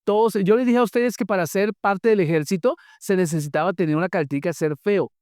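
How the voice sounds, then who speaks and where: A preacher giving a sermon, retelling Bible stories in an animated way with joking asides and questions to the congregation. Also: mid-range voice, quick pace, no room sound, studio quality.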